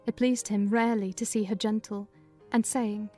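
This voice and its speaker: A woman narrating a dramatized audiobook reading in a measured storytelling manner. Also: mid-range voice, little pitch movement, dark tone, soft background music.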